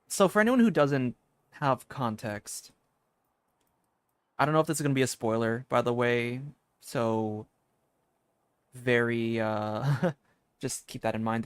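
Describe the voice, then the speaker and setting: A man with a medium-pitched voice comments casually on a video game as he plays. He rambles into reflective asides. The sound is close and dry, with no room around it. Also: a little slow, long pauses, no room sound. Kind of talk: casual live gameplay commentary.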